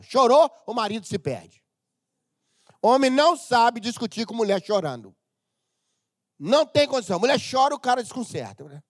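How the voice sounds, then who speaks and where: A middle-aged Brazilian man preaching a humorous, animated sermon as pastor of a church, sometimes breaking into shouts. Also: high voice, no echo, studio quality. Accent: Brazilian Portuguese.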